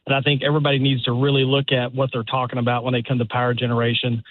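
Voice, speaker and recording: A man's voice: medium pitch, completely flat delivery, rapid-fire, dry recording. A male caller from the Dallas area talks through a thin, tinny phone line with a dry sound. He explains his view earnestly and wanders as he goes. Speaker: radio caller.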